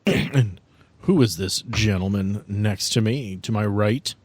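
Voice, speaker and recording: A man's voice: fairly low pitch, slow pace, slightly rough, dry recording. A man in his thirties hosting a tabletop game podcast, chatting casually and recapping the story as game master. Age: 30s.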